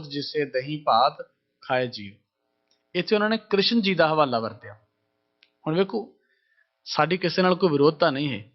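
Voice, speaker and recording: A man delivers a religious sermon, his voice sitting a little high for a man. He explains scripture in a plain teaching way and slows down to chant verses. The sound is dull and lo-fi, like a TV broadcast. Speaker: Sikh preacher.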